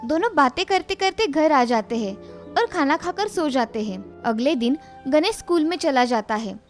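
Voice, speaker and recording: A woman narrating a moral cartoon story in a plain, steady storybook manner. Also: sits high, normal speed, faint music behind.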